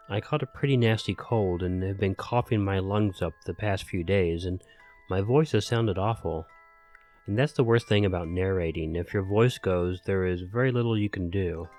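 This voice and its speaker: A man's voice: on the low side, darkish tone. A man hosting his channel, stuffed up from a cold, giving a polite and earnest sign-off to viewers. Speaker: channel host and narrator. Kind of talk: outro address to viewers.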